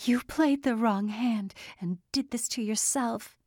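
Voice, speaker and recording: A defiant young woman in an audiobook, voiced by the narrator confronts a demon. Her voice is raised and strained, pitched above the narration. It is recorded close and dry. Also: measured pace, darkish tone, dry recording.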